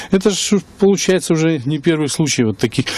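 With a dry sound and no echo, a man speaks at a fairly high pitch and moderate pace, using ordinary pitch variation. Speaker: railway security official. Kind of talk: interview. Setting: outdoors. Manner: halting. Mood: frustrated, disapproving. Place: station. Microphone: handheld.

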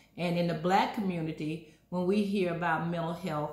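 Audible room echo surrounds a woman's voice. She has a fairly low pitch and monotone, flat intonation. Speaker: food vlogger. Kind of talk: casual vlog chat. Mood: warm, earnest. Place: home room. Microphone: phone near.

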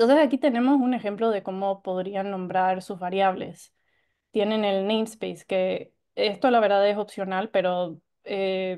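At a moderate pace, a woman speaks with a dark, mellow tone, medium pitch and ordinary pitch variation against a quiet background. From Paraguay. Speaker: product designer. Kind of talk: webinar presentation. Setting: online webinar.

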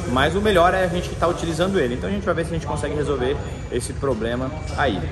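Clearly audible background noise accompanies a man as he talks. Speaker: drift driver vlogger. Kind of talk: casual vlog chat. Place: garage. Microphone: phone near.

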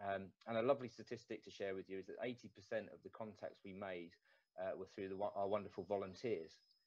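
The man's speech is very fast. Intonation remains fairly even throughout. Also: fairly low pitch for a man. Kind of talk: conference presentation. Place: home room. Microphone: video call.

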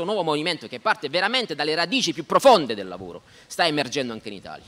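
Bright and sharp, a man's fairly high voice with vocal fry swings very widely in pitch as he speaks at a very fast pace. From Apulia, Barletta; Apulia. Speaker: lawyer and activist; lawyer. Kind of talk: speech at political event. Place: garden. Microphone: podium.

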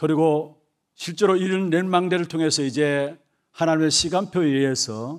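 The background stays quiet. The man's pitch varies in an ordinary way. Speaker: pastor. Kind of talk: sermon. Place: church. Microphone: podium.

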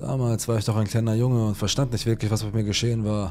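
A fairly low-pitched man with fairly even intonation, music playing in the background. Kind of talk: scripted narration of a ghost story. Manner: measured, suspenseful storytelling.

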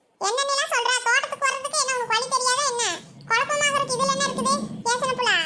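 A cartoonish character voice from a woman, extremely high, flat and monotone, fairly quick, with very even loudness. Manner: chiding.

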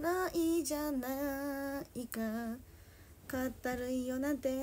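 Over light background noise, a woman with a high pitch speaks at a very slow pace. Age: 20s. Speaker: idol livestreamer. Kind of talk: casual chat. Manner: animated. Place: home room. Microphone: phone near.

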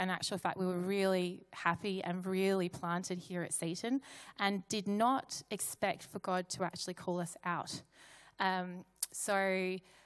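On a very clean recording with a silent background, a woman with an Australian accent and medium pitch talks at a fairly slow pace with fairly even intonation. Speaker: pastor. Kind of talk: conference talk. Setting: stage with audience.

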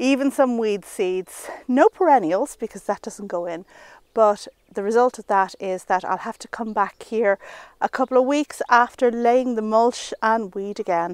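Against a quiet background with dry sound and no echo, a woman speaks at a moderate pace with ordinary pitch variation and big swings in loudness. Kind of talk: garden tour commentary. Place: garden.

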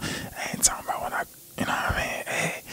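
Over loud background noise, a man talks at a very fast pace in a dry sound with no echo. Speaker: ASMR creator. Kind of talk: casual ASMR vlog chat. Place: home room. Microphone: handheld.

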